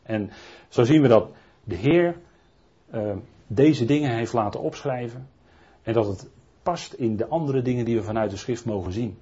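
On a dull lo-fi recording, a man delivers a Bible teaching sermon in a rambling manner, often tacking on tag questions and restarting sentences. His voice is medium-pitched, mellow and a bit breathy, at a moderate pace with frequent pauses.

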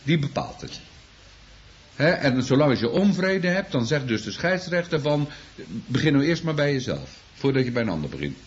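A man's voice: mid-range voice, sing-song, moderate pace. A man preaching a sermon to his congregation, earnest and exclaiming, often repeating himself as he restarts sentences. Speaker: pastor. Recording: dull lo-fi recording.

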